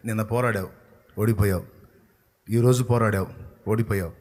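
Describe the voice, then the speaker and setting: A male pastor preaching a sermon emphatically, swinging between loud rebukes and low, earnest tones. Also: fairly even intonation, normal speed.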